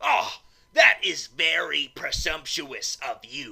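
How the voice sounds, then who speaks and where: Raspy male character voice, put on and delivered fairly slowly. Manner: snarky, sarcastic.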